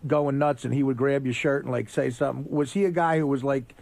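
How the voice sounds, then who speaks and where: Gravelly, wisecracking American man. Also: medium pitch, fairly even intonation, a little fast, darkish tone, dry recording. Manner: crude, wisecracking. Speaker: comedian co-host. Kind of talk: comic banter.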